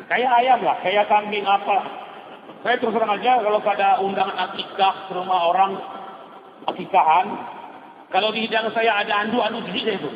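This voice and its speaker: A man with an Acehnese Indonesian accent preaching a humorous sermon with folksy, joking asides. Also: high-pitched. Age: older. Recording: echoey hall, muffled, noisy.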